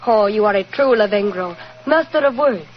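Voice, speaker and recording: An actress playing a proud young gypsy fortune-teller in 1940s radio drama, with terse, formal phrasing. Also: female voice, mid-range voice, lively intonation, normal speed, lightly acted. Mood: impressed, welcoming. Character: wary young gypsy fortune-telling woman, proud, softening. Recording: muffled, faintly noisy 1940s radio recording.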